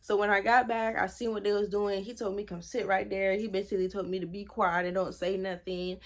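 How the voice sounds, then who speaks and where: Animated storytelling woman vlogger. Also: mid-range voice, fairly quick. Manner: animated, slangy, addresses viewers directly. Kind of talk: casual storytelling to camera.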